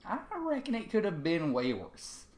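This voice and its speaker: A man's voice: a little high, wildly swooping pitch, normal speed, a little mellow, pitched above the performer's own voice. A man voicing a young female pony, nervous and hesitant, in an echoey room.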